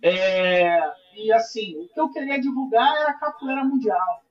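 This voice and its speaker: A man with a carioca accent, a capoeira master chatting warmly as a podcast guest over a video call. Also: very high voice, expressive, normal speed, dull audio. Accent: Rio de Janeiro Portuguese. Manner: warm, effusive, addresses host as friend. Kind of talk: casual podcast interview, singing capoeira songs.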